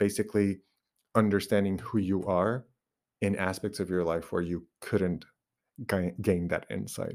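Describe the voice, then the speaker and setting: On a very clean recording with a silent background, the voice carries a slight Portuguese accent, fairly even intonation and a fairly slow pace. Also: man. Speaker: podcast host, medium and Reiki practitioner. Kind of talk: spiritual solo podcast monologue. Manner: gentle, reflective.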